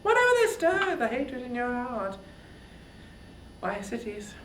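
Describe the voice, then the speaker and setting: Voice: mid-range voice, big pitch swings, unhurried, fairly bright tone, echoey room, a little hiss or hum, pitched above the performer's own voice, poor audio. A performer voicing a wily, imperious queen of the gods, theatrical and coaxing, in an epic poetry reading. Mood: haughty.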